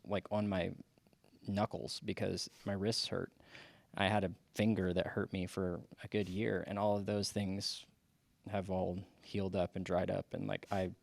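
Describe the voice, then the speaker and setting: Gravelly man in his forties, halting. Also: lowish voice, no room sound. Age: 40s. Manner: halting, many restarts and fillers. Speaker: podcast guest. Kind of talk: casual interview chat.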